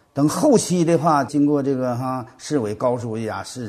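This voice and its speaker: A man with a northeastern Chinese accent talks at a moderate pace in a dark, mellow tone. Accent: northeastern Mandarin. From Liaoning, northeast China. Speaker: museum founder and businessman. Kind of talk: interview. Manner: halting, many fillers.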